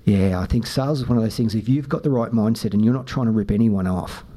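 A man, hosting a casual interview, animated and quick to interrupt, acting out little quotes. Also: fairly low pitch. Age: 50s. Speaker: podcast host.

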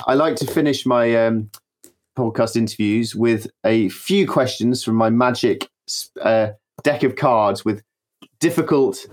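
A man's voice: medium pitch, unhurried. A man hosting an interview podcast, chatty and now and then stumbling over his words. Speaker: podcast host.

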